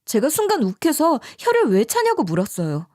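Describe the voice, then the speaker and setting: A woman narrating a scripted first-person story with plenty of feeling. Her voice sits slightly high and moves a lot, recorded dry and close with no room sound. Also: moderate pace, dry recording. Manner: expressive, emotional storytelling.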